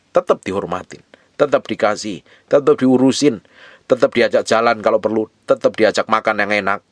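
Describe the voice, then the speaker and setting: A man with a fairly low voice delivers a sermon as a pastor. He drives his points home through repeated, emphatic commands in a casual tone. The recording is dry and close, with no room sound. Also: dry recording. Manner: emphatic, repetitive exhortation in casual speech.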